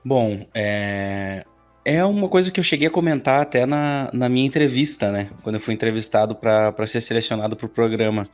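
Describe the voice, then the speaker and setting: Man, thirties, mid-range voice, casual interviewee, animated storyteller, faint music underneath. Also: medium pitch, moderate pace, lo-fi sound. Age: 30s. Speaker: interview guest, aspiring voice actor.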